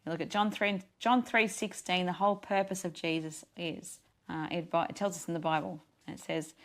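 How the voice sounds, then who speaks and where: A woman's voice: fairly low pitch, steady tone, normal speed. Tired woman radio host, losing her voice. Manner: earnest, rambling, frequent restarts. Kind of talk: casual devotional radio talk.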